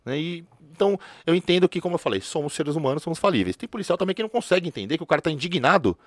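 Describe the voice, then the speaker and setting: Fast-talking São ex-cop. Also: male voice, fairly high pitch, animated, dry recording. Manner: storytelling, slangy, repeats filler words. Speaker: former police officer. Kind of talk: casual podcast conversation.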